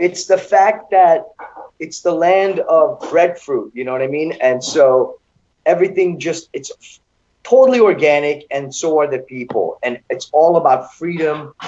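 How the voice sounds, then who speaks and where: An unremarkable speaking voice, a man's fairly high-pitched delivery moves at a moderate pace with ordinary pitch variation. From Seattle, US West Coast (born in Hungary). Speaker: guest on talk show. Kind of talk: casual chat.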